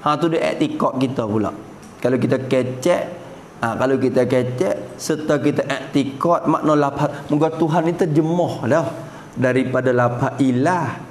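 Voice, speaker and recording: A man's voice: medium pitch, normal speed, a little hiss or hum, poor audio. A man with a Patani Malay accent teaching a traditional religious kitab lesson. He explains patiently and keeps putting rhetorical questions to his students. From Patani, southern Thailand.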